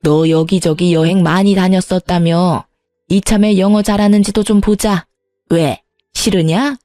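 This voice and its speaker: A woman's voice: on the low side, fairly even intonation, a little slow, warm tone, no room sound, faint music behind, close to an everyday voice. A woman voicing a pushy, scornful older mother-in-law in a storybook-style tale. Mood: demanding. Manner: demanding, scornful.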